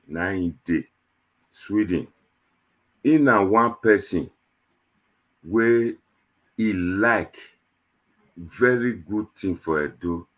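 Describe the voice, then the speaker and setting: A Nigerian man hosts a panel show in easygoing Nigerian Pidgin. His voice sits very low and has a rough, husky grain. He talks conversationally to viewers, rambling and repeating himself as he goes. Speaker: host of an online diaspora panel show. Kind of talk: casual show introduction to viewers.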